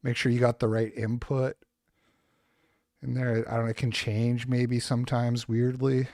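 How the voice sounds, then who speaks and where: A man from Saskatchewan hosts a casual livestream podcast, chatty and easygoing, at an average pitch. He talks over a remote call setup, and the sound is close and dry with no room around it. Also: little pitch movement, normal speed, a little mellow, no echo. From Saskatchewan, Canada. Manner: easygoing, chatty, laughs often. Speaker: podcast host.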